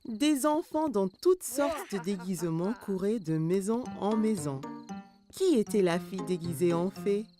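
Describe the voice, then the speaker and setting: A woman narrating a children's cartoon story in a gentle, expressive storytelling manner. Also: mid-range voice, unhurried, music in the background, natural voice.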